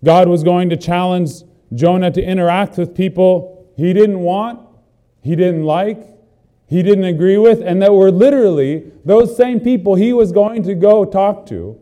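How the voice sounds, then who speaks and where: Earnest preacher with a dark voice. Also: male voice, high-pitched, a little slow. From not from the country he is preaching in. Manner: earnest, building emphasis with repeated phrases. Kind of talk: sermon.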